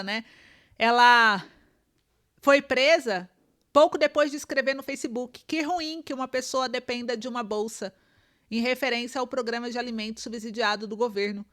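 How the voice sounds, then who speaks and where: Woman, Brazilian Portuguese accent, political commentator, high voice, emphatic rhetorical questions. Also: fairly bright tone. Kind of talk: online political commentary, reading news aloud.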